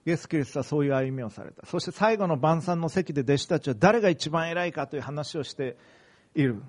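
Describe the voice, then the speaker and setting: A man preaching a sermon as a pastor, speaking in measured phrases with pauses. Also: fairly high pitch.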